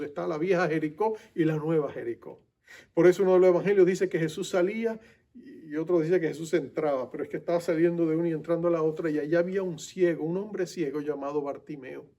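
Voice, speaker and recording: Male pastor mid-sermon, gravelly texture, urgent and heartfelt, addresses the listener directly. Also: fairly high pitch. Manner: passionate, swings from loud urgent to soft intimate.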